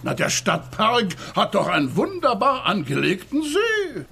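An actor playing a blustering, stubborn, dismissive mayor who barks orders in a children's audio drama. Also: male voice, high voice, wildly swooping pitch, a little slow, gravelly, bright, forceful tone, breathy edge, heavily acted. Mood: bossy, smug. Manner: bossy, barking orders to an assistant.

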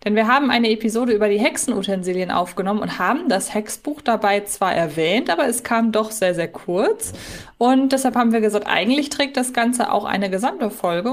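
Slightly high-voiced woman hosting a podcast. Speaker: podcast co-host. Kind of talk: casual fan podcast chat.

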